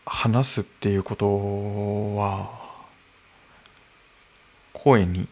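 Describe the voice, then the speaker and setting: A man in his early thirties talking alone into a microphone in his room, slow and musing, with soft laughs. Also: lowish voice, flat delivery. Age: early 30s. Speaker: podcast host. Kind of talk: unscripted solo podcast talk. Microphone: podcast microphone.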